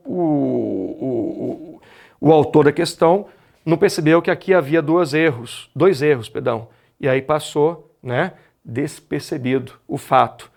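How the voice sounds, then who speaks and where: A man's voice: fairly high pitch, gravelly. A Brazilian man teaching an exam-prep grammar lecture, who explains step by step and keeps asking the class rhetorical questions. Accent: Brazilian Portuguese.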